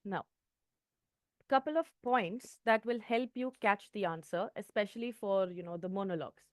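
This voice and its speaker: An IELTS trainer with an Indian English accent gives a test-prep lesson at a moderate pace in a mid-range voice, teaching clearly and often checking in with "okay." The recording is dry, with clean studio sound.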